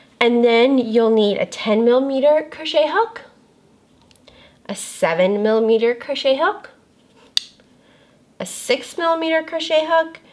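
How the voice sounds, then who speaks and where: A woman's high voice against noticeable background noise. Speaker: crochet pattern designer. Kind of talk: tutorial. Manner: casual, frequent filler words.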